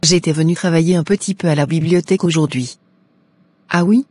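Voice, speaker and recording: Woman voicing a pious young Christian woman, earnest, mellow, breathy, Christian cartoon. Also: low-pitched, fairly even intonation, brisk, no room sound. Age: young adult. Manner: earnest, pious, speaks in prayers and praise.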